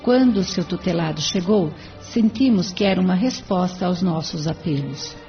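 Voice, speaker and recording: Woman doing a calm church spirit, gravelly edge, dull audiobook sound, faint music. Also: fairly low pitch, moderate pace, natural voice. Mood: serene. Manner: explanatory, composed.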